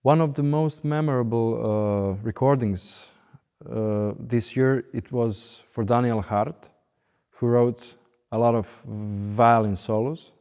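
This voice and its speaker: A man in his late thirties speaks English with a Serbian accent at a middle pitch. He talks in measured, deliberate phrases, as in an interview. Long reverb from a large hall surrounds his voice. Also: steady tone, warm tone, clear, resonant tone. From Belgrade, Serbia. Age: late 30s. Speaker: professional orchestral violinist being interviewed. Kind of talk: interview monologue.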